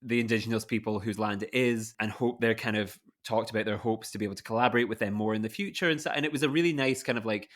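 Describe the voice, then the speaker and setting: A man's voice: on the low side, quick pace, hardly any pauses, a bit bright. A man with a Scottish accent hosting a podcast, chatting casually and enthusiastically, with lots of "like" fillers. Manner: rambling and enthusiastic, many fillers like "like". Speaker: podcast host.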